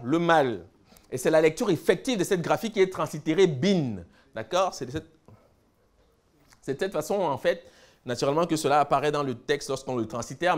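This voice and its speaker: A man from Cameroon giving a lecture, listing words slowly and then explaining them with emphasis. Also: on the high side. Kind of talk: lecture on word roots.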